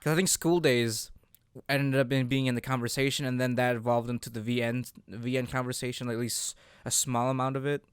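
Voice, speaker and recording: A man's voice: mid-range voice, fairly even intonation, fairly quick, clean tone, no echo. A man co-hosting a casual podcast chat, talking hesitantly and often searching for his words. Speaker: podcast co-host.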